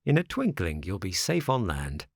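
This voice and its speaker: A kindly great tuna fish from a children's tale read by a man. It speaks in a hearty, reassuring way with animated pitch, recorded close and dry. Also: moderate pace, creaky, no room sound, exaggerated voice. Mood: obliging.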